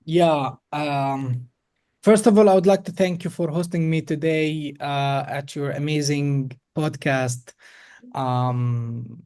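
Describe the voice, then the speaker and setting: A young man from Jerusalem speaks as a podcast guest over a video call, with a mellow, warm voice. He explains things in a measured way, stopping often on "uh" and "um". His delivery is steady and unhurried. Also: a little high. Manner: hesitant, many fillers, measured explanation. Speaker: guest, executive director of an organization. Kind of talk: podcast interview.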